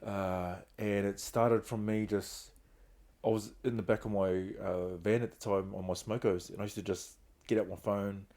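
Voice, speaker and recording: Casting: middle-aged New man, earnest guest, flat low delivery. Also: moderate pace. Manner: earnest, open, speaks of hard times with emotion. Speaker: guest, founder of a reintegration trust. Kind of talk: candid personal storytelling.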